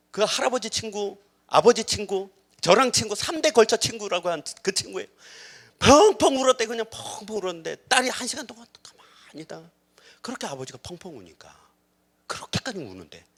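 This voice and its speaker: A middle-aged man preaching a sermon as pastor, telling a story with acted-out quotes and swinging between hushed and loud delivery. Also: high voice. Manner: animated storytelling, acting out quoted voices, shifting from hushed to loud.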